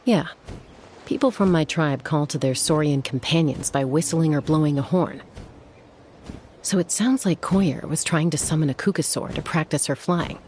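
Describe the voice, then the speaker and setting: A woman playing a composed, protective tribal warrior in a video game, explaining things in a measured, frank way. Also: deep voice, a little mellow, a little hiss or hum, lightly acted. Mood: concerned, frank. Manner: measured, matter-of-fact explaining. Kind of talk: video game dialogue acting.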